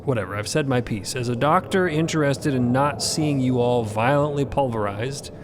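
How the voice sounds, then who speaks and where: A man's voice: medium pitch, normal speed, noisy background, close to an everyday voice. A man voicing a stern, cautious female ship's doctor in an audio drama, arguing in precise, formal terms. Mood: skeptical, exasperated.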